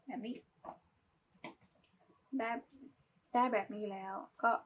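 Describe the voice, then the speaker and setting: A woman's voice: slow, dull audio, slight background noise. A woman giving a casual, polite step-by-step craft tutorial, talking as she demonstrates. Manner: informal, polite, talks while demonstrating.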